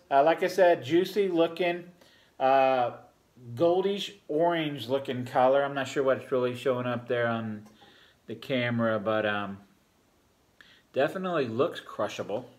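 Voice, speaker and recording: A man in his forties gives a relaxed, rambling beer review full of fillers, talking at a table in a home bar room. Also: medium pitch. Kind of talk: casual beer review vlog. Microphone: fixed camera at a table.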